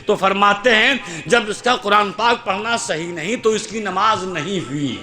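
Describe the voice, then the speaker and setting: A man's voice: sits high, sharp tone. A man preaching a sermon at an outdoor religious gathering, speaking in an oratorical manner and leading the crowd in chanted invocations. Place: outdoor conference in a mosque courtyard.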